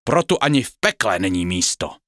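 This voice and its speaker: A man's voice: sing-song, a bit bright, no echo, clean studio sound. A man voicing a stern, thundering old devil lord, centuries old, in a read-aloud bedtime fairy tale. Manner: booming and stern.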